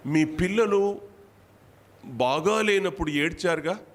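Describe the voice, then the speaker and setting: High-voiced preaching man, fiery. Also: animated, slow pace. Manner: fiery, hammering rhetorical questions at the congregation; repeats phrases for emphasis. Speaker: pastor. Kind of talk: Telugu church sermon.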